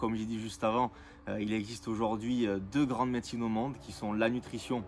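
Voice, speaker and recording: A man of medium pitch, with an ordinary speaking voice, talks at a fairly quick pace with fairly even intonation. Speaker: former professional rugby player and fitness coach. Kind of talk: interview answer.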